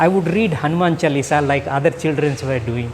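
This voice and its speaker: A man speaks at a moderate pace in a fairly high pitch. Noticeable background noise runs underneath. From India, Bihar (Patna). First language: Magahi. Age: 40s. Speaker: activist speaker. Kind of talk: public speech.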